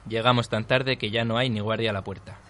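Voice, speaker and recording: A man's voice: fairly low pitch, steady tone, fairly quick, lightly acted. A young man playing the sensible, businesslike leader of a student group in an audio drama. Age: young adult. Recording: noisy, crowd murmur behind.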